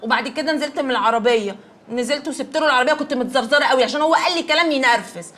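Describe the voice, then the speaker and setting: High-voiced proud young teacher. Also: female voice, rapid-fire, fairly bright tone. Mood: defensive. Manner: chatty, defensive, comic. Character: proud young woman teacher, lovesick and stubborn. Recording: TV drama with faint music.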